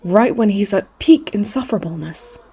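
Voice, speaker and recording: Smug, mellow-voiced flirty villainess played by a woman. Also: mid-range voice, animated, moderate pace, slightly rough. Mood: teasing. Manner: teasing, mock-sweet, theatrical taunting. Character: smug flirtatious female supervillain in her late twenties, hospitalized. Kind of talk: comedic audio roleplay acting.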